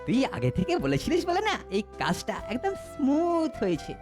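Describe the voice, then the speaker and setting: Cocky, high-pitched cartoon boy. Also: wildly swooping pitch, moderate pace. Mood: pleased. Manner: teasing, boastful. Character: cocky mischievous boy, fearless and playful. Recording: music under the dialogue.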